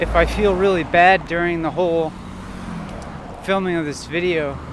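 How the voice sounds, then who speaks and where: Amid noticeable background noise and audible room echo, a man with a high voice speaks at a moderate pace in a flat monotone. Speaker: video blogger. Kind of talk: casual monologue. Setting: outdoors, walking.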